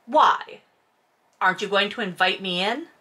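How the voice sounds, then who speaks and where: A woman's voice: medium pitch, unhurried, sharp tone. A woman reading the part of an arrogant, swaggering male rival in a romance novel, smug and taunting.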